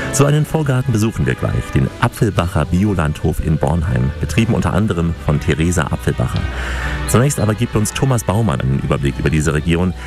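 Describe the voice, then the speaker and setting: A man presenting a radio feature, reading narration calmly and asking interview questions. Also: rumbling low. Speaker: radio reporter.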